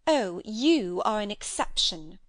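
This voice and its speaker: A woman's voice: medium pitch, lively intonation, takes it slowly, no room sound. A woman voicing a proud, scornful young lady with a cold, clipped way of speaking.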